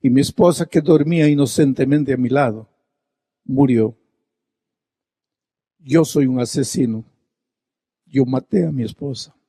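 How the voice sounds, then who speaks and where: A man voicing a grieving, remorseful middle-aged man who speaks low, hushed and halting. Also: husky, dry recording. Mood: grief-stricken.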